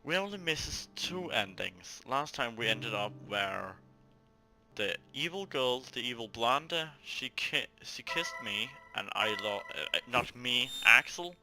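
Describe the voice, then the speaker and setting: A man's voice: mid-range voice, expressive, a little slow, sharp tone, poor audio. A man hosting a gaming video, reading a visual novel aloud with casual commentary, often stumbling and repeating words.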